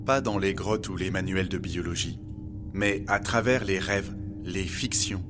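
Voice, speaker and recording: A knowledgeable guide who lays out old myths of humankind. He speaks in a measured, didactic way, as in a documentary audio drama, with music playing clearly behind him. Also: low voice.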